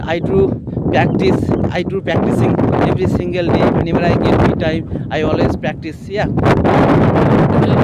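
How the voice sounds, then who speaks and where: Young man, non-native English speaker, slightly high voice, halting, repeats himself, lots of fillers. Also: a little hiss or hum. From village area. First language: not English. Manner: hesitant, repeats phrases, many fillers. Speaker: English learner vlogger. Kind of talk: unscripted practice monologue.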